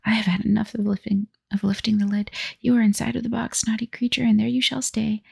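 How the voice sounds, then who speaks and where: A woman voicing a curious, tearful young girl in a breathy whispered role-play. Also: on the high side, little pitch movement, fast, heavily acted.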